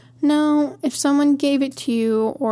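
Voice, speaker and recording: Fairly even intonation with a slight Southern US accent. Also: woman. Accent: slight Southern creeping in. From Montana. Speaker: podcast host. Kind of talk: solo casual monologue. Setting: home recording. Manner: frequent ums and likes.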